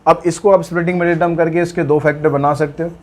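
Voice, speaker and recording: A man's voice: a little high, flat delivery, quick pace. A male math teacher giving a casual blackboard lesson, teasing his students and stepping through the working one step at a time.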